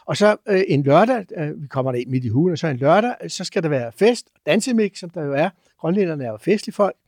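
A man telling adventure stories as a guest, lively but halting, with many filler sounds. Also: on the high side, no room sound, studio quality. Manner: lively, acts out chants and sounds. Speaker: guest explorer. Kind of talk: animated storytelling.

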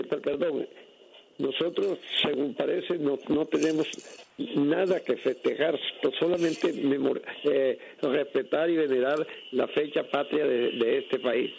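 A man's voice: a little high, gravelly, darkish tone, slight background noise, poor audio. A man calling in to a radio show, searching for words and restarting often. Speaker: radio caller. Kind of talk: casual call-in opinion.

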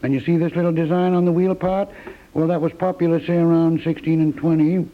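An actor playing a folksy, evasive antique seller who hedges vaguely, in 1950s radio comedy style. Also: male voice, fairly high pitch, little pitch movement, brisk, phone-quality sound, natural voice. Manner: vague, hedging salesman. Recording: thin, band-limited 1950s radio recording.

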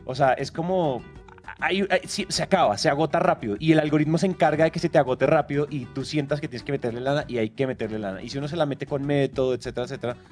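Podcast co-host, man, easy storytelling delivery, soft music bed. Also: mid-range voice, fast talker. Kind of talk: casual podcast chat.

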